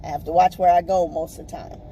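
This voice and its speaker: A woman with a raspy voice, chatting to viewers from her car in a rambling, chatty way. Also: on the low side, fairly even intonation, quick pace, dark tone, slight background noise. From Texas, US. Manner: rambling, chatty, calls viewers y'all and honey. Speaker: vlogger. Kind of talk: casual chat to viewers while driving. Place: in a parked car.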